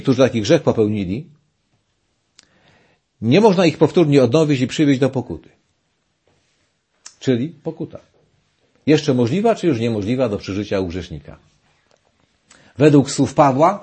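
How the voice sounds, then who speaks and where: A man's voice: mid-range voice, mellow, slightly rough. A man giving a lecture on scripture, reading passages aloud and commenting on them, often restarting his sentences. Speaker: preacher. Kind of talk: Bible lecture.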